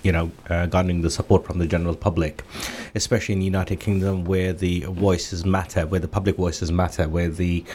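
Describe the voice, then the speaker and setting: A man with a deep, even voice gives measured, formal commentary as a radio panel guest. His tone is rather dark and flat, with faint noise and ambience behind him on the line. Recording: noisy line with background ambience.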